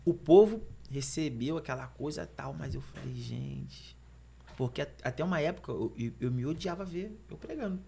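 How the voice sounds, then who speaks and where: A man with a Brazilian Portuguese accent, a guest preacher telling his story fast, with stumbling restarts. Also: a little high, expressive, vocal fry, mellow, slight background noise. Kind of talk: animated storytelling in conversation.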